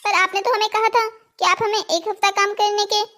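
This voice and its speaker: A woman's voice: very high voice, fairly even intonation, moderate pace, sharp tone. A woman voicing a naive, dutiful young boy in a cartoon story, polite and earnest. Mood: remorseful, earnest. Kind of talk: scripted cartoon story dialogue.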